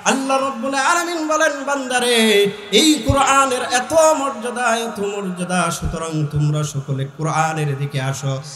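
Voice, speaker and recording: A man with a Bangladeshi accent preaching a fervent Islamic sermon, declaiming in a drawn-out sing-song way and urging his listeners on. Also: extremely high pitch, fairly bright tone, roomy sound, soft background music. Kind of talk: fervent Bengali waz sermon with chanted verse and recitation.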